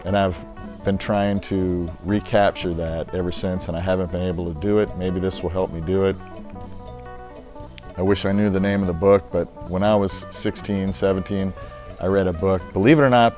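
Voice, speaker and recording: Older man, very low voice, relaxed rambling vlogger with faint music under. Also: moderate pace. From United States. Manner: rambling, easygoing, with many fillers. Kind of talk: casual talk to camera.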